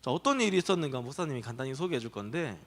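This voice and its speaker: Lively man preaching to children. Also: medium pitch, rapid-fire. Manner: animated, asks children questions and acts out voices. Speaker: children's pastor. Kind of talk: children's sermon storytelling. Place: church children's worship hall. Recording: reverberant hall.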